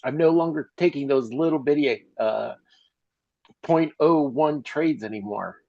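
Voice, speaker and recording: A man's voice: on the high side, unhurried, creaky, dry recording, lo-fi sound. A man chatting casually and cheerfully as a member of a trading group. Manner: upbeat, animated, folksy. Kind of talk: casual chat.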